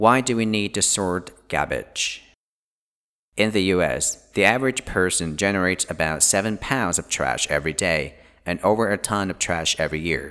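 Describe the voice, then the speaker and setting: A silent background and a very clean recording frame a bright, sharp tone. The pace is moderate and the pitch varies in an ordinary way. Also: man, fairly low pitch for a man. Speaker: English-learning podcast host. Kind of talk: reading aloud.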